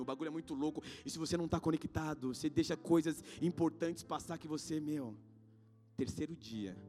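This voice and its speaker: Man, 30s, Brazilian Portuguese accent, church preacher, slangy and conversational, raised-pitch voice, soft guitar underneath. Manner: slangy and conversational, swinging between loud exhortation and hushed storytelling. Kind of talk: sermon. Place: church sanctuary. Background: faint guitar music.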